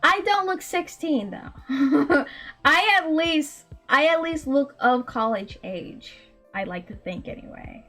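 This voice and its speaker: A woman in her late twenties with a very high, small voice, telling a story in a casual chat full of laughs and fillers. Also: slow, faint music behind. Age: late 20s. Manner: animated, laughs often, frequent likes and ums. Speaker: indie game developer and streamer.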